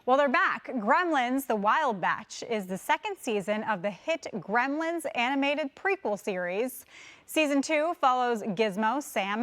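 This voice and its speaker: A woman's voice: on the high side, a bit bright. A woman hosting a show, reading upbeat scripted presenter links. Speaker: TV show host.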